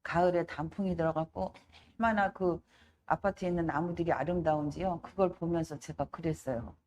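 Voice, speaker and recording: A middle-aged woman evangelist giving a spoken testimony, telling her story in a lively, animated way and acting out the voices of people in it. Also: fairly low pitch, fairly quick, a little hiss or hum. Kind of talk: testimony sermon.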